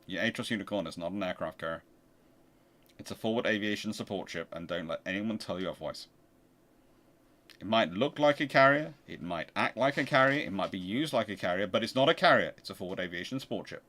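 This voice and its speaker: On his livestream, a man with a lowish, bright, forceful voice talks fairly quickly and with animation. He answers viewers' questions in a casual, chatty manner, often repeating words as he begins phrases again.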